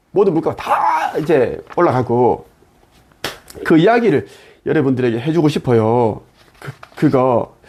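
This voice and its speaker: Husky man preaching with rhetorical questions. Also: high voice, a little mellow. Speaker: channel host. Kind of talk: monologue.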